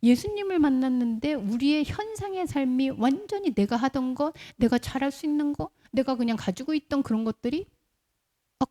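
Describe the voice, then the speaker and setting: Animated woman preaching a sermon. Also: high voice. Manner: lively storytelling with rhetorical questions to the congregation; briefly acts out quoted voices in the middle of speech. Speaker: pastor. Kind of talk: conversational sermon.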